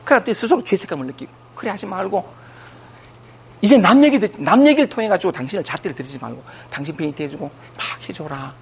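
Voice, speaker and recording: A man with a Gyeongsang accent giving an animated spiritual lecture, speaking straight to his listeners. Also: sits high, fast, vocal fry, slightly rough. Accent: Gyeongsang Korean. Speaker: lecturer on scriptures.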